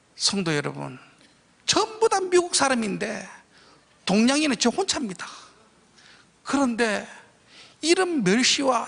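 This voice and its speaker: In a Gyeongsang accent, a man speaks at a very slow pace with an extremely high pitch. His tone is bright and sharp, and his pitch swings very widely. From Gyeongsang region, Korea. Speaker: preacher. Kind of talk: sermon. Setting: church. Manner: animated.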